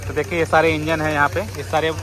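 A man's voice: a little high, little pitch movement, fast talker, very noisy. A man from India with an Indian accent, giving casual, repetitive step-by-step vlog commentary outdoors from behind a handheld camera. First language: Hindi. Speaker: vlogger showing around a steam fire engine show. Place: outdoors in a parking lot fair. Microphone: handheld camera, operator behind it.

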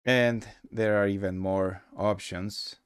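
Low-voiced man, halting tutorial narrator. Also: fairly even intonation, smooth, dry recording, studio quality. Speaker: host demonstrating his software. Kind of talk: casual software tutorial narration.

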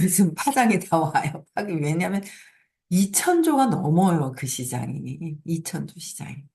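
Low-voiced chatty middle-aged woman host. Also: mellow. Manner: chatty storytelling, frequent laughs. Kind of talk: casual motivational talk.

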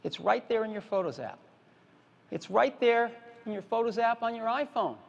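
A man's voice: sits high, expressive, normal speed, gravelly, dull audio. A man presenting a product keynote on a large stage, explaining features in a plain, repetitive, emphatic way. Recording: reverberant conference hall.

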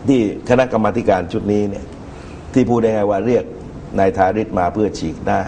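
A middle-aged man giving measured political commentary as a guest in a TV studio talk show, speaking into a lapel mic. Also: on the low side, steady tone, creaky, mellow, a little hiss or hum. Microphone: lapel microphone.

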